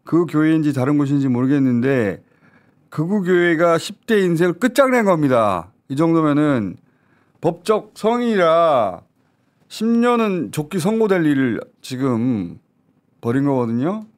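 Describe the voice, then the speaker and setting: A man commentating on a news talk show, his voice rising and falling widely as he pushes each point with indignant urgency. His voice sits a little high for a man. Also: very animated, normal speed. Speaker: political commentator.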